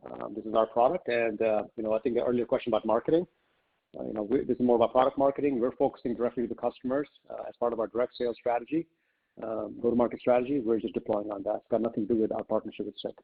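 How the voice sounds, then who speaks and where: Fast-talking male executive, slightly muffled call audio. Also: medium pitch, steady tone, creaky, breathy edge. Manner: conversational, often says "you know" and "right". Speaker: company executive answering shareholder questions. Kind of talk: unscripted Q&A on an investor conference call. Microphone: conference call line.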